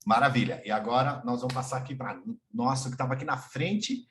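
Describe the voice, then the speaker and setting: A man's voice: medium pitch, fairly quick, fairly bright tone. A man with a Brazilian Portuguese accent, hosting an online session and introducing guests one by one. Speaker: host and moderator of an online session. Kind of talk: moderating a video call. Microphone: video call.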